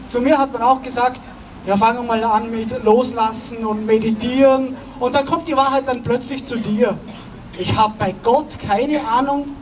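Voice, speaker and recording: A middle-aged man with a Vorarlberg Austrian dialect gives a chatty public talk at an outdoor rally, asking the crowd questions over a handheld mic. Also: very high-pitched. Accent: Vorarlberg Austrian German dialect. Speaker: guest speaker, author. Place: outdoor city square. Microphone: handheld mic, filmed from afar. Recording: distant with outdoor street noise.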